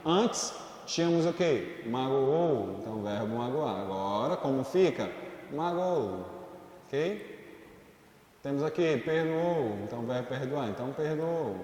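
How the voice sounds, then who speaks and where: A man's voice: medium pitch, animated, measured pace, darkish tone, heavy reverb, long reverb tail. A man teaching a school grammar lesson in Brazilian Portuguese, explaining rules step by step and often checking in with the class. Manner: explains step by step, checks in with "tudo bem, gente?".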